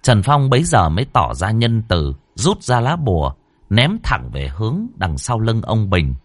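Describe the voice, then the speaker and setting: A man's voice: on the low side, huge pitch swings, measured pace, no echo. A man narrating a ghost story in a dramatic, suspenseful way. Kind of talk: audiobook narration.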